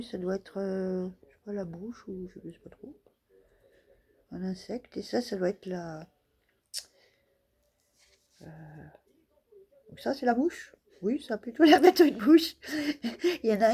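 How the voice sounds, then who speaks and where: A woman's voice: medium pitch, warm tone, slightly rough. A woman casually showing craft stamps in a vlog, talking hesitantly with many fillers and laughing at her own guesses. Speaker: scrapbooking vlogger.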